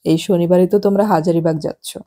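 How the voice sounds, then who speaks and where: A woman reading the part of an easygoing businessman husband in his thirties in an audiobook, in calm, coaxing talk. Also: lowish voice, fast, lightly acted.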